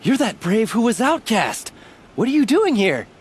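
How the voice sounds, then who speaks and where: A man's voice: very high-pitched, big pitch swings, normal speed, breathy edge, heavily acted. A man playing a sheepish, anxious young tribal warrior in a video game, speaking nervously. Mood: startled. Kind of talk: video game dialogue acting.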